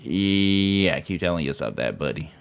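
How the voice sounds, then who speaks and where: His voice is low, smooth and animated, a little slow, with vocal fry, as this streamer dramatically reads a ghost story from a visual novel. Loud game music sits behind him, and he fumbles the text and drops profane, offhand comments.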